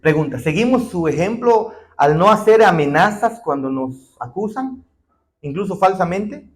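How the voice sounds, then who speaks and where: A man preaching a sermon, emphatic and rising to shouted declarations, often calling listeners brother. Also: high voice, lively intonation, measured pace.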